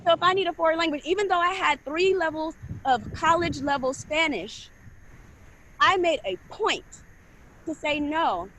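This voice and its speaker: A woman's voice: high voice, normal speed, fairly bright tone, slight background noise, low-quality recording. A woman on a dance panel, talking casually and with animation, laughing as she addresses the others as y'all. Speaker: panelist, scholar and street dancer.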